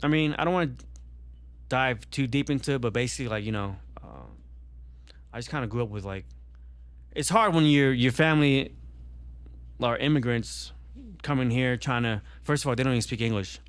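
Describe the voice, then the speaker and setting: A man's voice: mid-range voice, a little fast, pauses often, clean tone, no room sound. A young man born in Vietnam, talking casually on a podcast and rambling with many fillers and restarts. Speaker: podcast guest.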